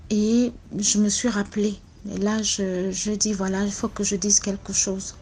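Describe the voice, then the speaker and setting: Slow, soft-spoken Cameroonian woman. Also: medium pitch, a little hiss or hum. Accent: Cameroonian French. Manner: speaks softly and slowly, with many hesitations. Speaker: caller sharing a story. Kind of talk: personal testimony, slow and deliberate.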